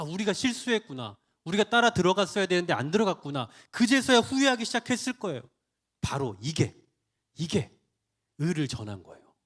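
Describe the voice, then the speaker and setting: Pastor, middle-aged man, high lively voice, preaching to a church congregation with rhetorical questions. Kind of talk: sermon. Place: church, Friday prayer meeting.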